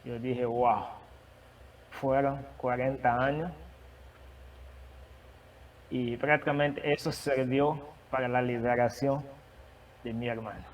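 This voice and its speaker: A man who is not a native Spanish speaker, preaching and sharing a testimony, with a halting manner and many restarts. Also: mid-range voice, steady tone, distant mic, slight background noise, poor audio. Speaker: guest preacher. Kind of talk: sermon testimony.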